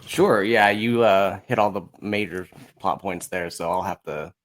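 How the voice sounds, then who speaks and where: A man's voice: sits low, fairly even intonation, measured pace. A man in his thirties with an American accent, chatting informally and reflectively as an interview guest. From Las Vegas, United States. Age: 30s. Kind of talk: casual chat.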